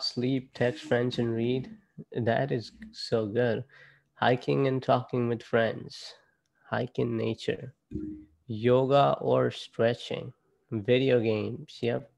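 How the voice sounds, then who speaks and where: Slow gravelly young man with a Nepali accent. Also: mid-range voice, a little mellow. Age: young adult. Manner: halting, with frequent fillers and restarts. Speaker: student ambassador presenter. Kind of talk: casual online presentation. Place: indoor room at home. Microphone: laptop webcam on a video call.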